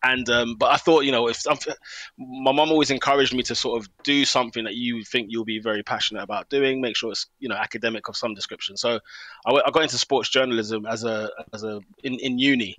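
Fast-talking bright-voiced man in his thirties. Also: mid-range voice, no echo. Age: 30s. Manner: quick, animated storytelling with laughs. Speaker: stadium announcer, guest. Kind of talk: conversational interview.

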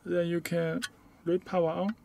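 Guy with a high voice doing a slow step by step gadget tutorial, non-native english, short halting phrases, bit of fry. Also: flat delivery, dark tone, a little hiss or hum. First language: not English. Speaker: product demonstrator. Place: inside a parked car.

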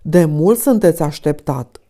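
Woman doing painter's wife, affected politeness, spiteful, low mellow voice. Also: expressive. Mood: falsely polite.

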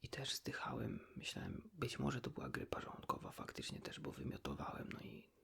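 A man speaking in a hushed, breathy whisper, chatting casually and confidingly as if to a friend in an ASMR style. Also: mid-range voice, huge pitch swings, fairly quick. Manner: colloquial, rambling, ends phrases with a tag question. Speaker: ASMR creator talking to the listener as a friend.

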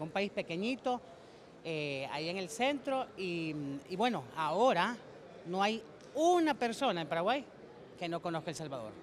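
Man, 30s, honorary consul, very high voice, chatty, conference hall interview. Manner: chatty, telling anecdotes. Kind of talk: interview answers. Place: large conference hall indoors.

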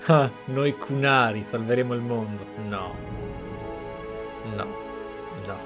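A man from Italy giving reflective roleplay commentary on a game as a streamer, with dramatic pauses. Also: medium pitch, over music. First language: Italian. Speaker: streamer, let's player.

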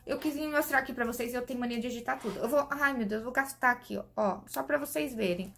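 High-voiced chatty Brazilian woman. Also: fast talker, vocal fry, fairly bright tone. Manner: chatty, enthusiastic, addresses viewers as "gente"; demonstrating products while talking. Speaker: beauty vlogger. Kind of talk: casual product review to camera.

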